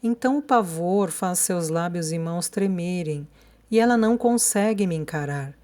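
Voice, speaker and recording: Uma mulher com sotaque brasileiro narra um romance em audiolivro, de forma pausada e controlada. O timbre é baixo e suave, de tom quente. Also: female voice, lowish voice, expressive, dark tone.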